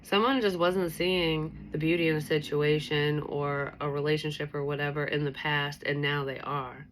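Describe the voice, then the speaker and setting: Low voice woman doing tarot, nasally from allergies, rambly with lots of likes and ums. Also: steady tone, moderate pace, a little hiss or hum, low-quality recording. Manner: rambling, many fillers like "like" and "um". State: stuffy with allergies. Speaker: tarot reader. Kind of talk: casual tarot reading for viewers.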